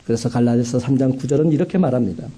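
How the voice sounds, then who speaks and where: A man preaching a sermon as a pastor, with emphatic rising climaxes and slow, stressed phrases. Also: mid-range voice, dark tone, husky.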